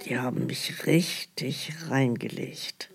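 An actress playing a sceptical, naive elderly care-home resident with a husky smoker's voice, speaking slowly and hesitantly in a radio play. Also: female voice, rumbling low, steady tone, over loud music, heavily acted. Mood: aggrieved recounting. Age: older. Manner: slow, hesitant, repeating herself. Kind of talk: naturalistic radio play acting.

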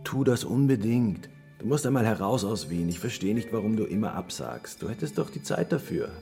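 An actor playing a brisk, busy father and married lover in a radio drama, speaking in a curt, offhand way. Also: fairly low pitch, very animated, vocal fry, dark tone. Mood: matter-of-fact. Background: music.

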